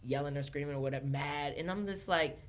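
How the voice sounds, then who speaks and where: A woman from Los Angeles, a podcast guest chatting casually, animated, laughing often and restarting her sentences. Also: deep voice, quick pace. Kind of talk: casual chat.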